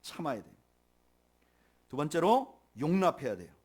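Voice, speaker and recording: A middle-aged man preaching from the pulpit, his fairly high voice swinging widely in pitch. He builds to loud emphasis, then falls soft, and leads his listeners in reading aloud together. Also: very animated, normal speed. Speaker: pastor. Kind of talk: sermon.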